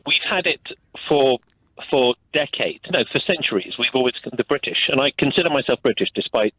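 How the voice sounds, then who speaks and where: Caller on a tinny phone line. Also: male voice, mid-range voice, lively intonation, slightly rough, no echo. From United Kingdom. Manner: hesitant, halting, many fillers. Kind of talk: radio phone-in call.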